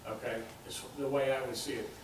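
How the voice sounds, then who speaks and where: A man on a council who talks his view through in a measured way, pausing as he reasons. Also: mid-range voice, little pitch movement. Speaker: council member. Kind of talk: meeting discussion. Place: council chamber. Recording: very echoey chamber audio from far off with clear hiss.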